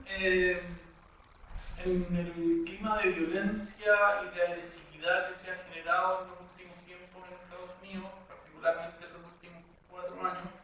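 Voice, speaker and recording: High-voiced Chilean man, distant and echoey. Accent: Chilean Spanish. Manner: earnest, hesitant, repeats words. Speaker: audience questioner. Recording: distant, echoey, dull, faint hiss.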